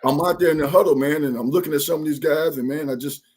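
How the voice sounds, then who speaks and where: A man's voice: a little high, fast talker, a little mellow, breathy edge. A man from Mississippi with a Southern Black American accent, telling stories casually in a folksy, emphatic way, punctuating his phrases with "man.". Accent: Southern Black American, country Mississippi drawl. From Mississippi, USA. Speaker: guest, former college football player. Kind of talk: casual storytelling in an interview.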